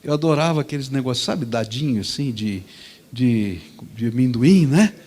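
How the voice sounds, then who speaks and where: A man, a pastor preaching a sermon in a lively, conversational storytelling manner. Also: mid-range voice, normal speed.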